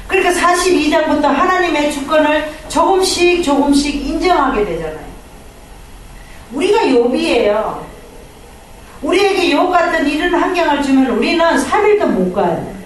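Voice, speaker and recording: High, lively woman pastor preaching. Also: slight background noise. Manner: animated, acts out quoted prayers and complaints. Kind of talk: sermon. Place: church sanctuary. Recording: echoey hall from far off.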